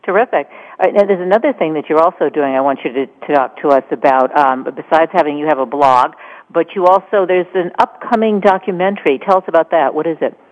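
A man works as a radio host, interviewing in a chatty and encouraging style. He talks quickly in a fairly high voice, and the sound is thin and phone-like. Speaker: radio talk show host. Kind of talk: conversational interviewing.

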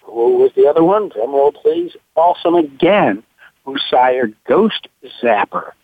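A radio host talking horse racing with a slightly hoarse voice, halting often with uh between phrases and getting enthusiastic about winners. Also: male voice, mid-range voice, expressive, no room sound. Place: at home on a farm. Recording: tinny dry phone line.

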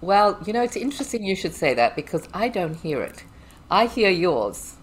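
A woman's voice: mid-range voice, moderate pace, poor audio. A woman from Zimbabwe with a Zimbabwean accent, chatting animatedly as an interview guest. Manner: chatty and animated, laughs often. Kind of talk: casual interview chat.

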